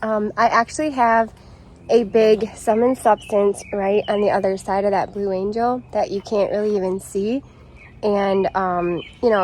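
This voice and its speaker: A woman vlogging in her garden, chatty and excited, a little out of breath as she rambles. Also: medium pitch, slight background noise. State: slightly out of breath. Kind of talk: casual vlog chat. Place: outdoors in a shade garden.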